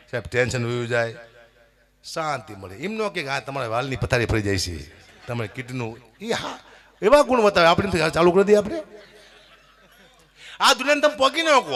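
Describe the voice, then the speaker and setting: Lively man telling jokes on stage. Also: high-pitched. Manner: lively storytelling with laughter, loud bursts for quoted voices. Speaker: folk comedian performing at a dayro. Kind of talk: stage comedy monologue.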